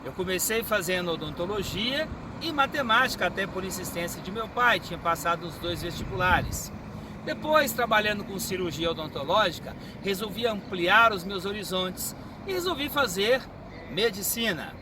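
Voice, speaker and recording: A Brazilian man in his fifties, a forensic medical examiner, answering interview questions in a measured, teaching manner. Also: high voice, expressive. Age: 50s. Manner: measured, didactic. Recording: street and car noise behind.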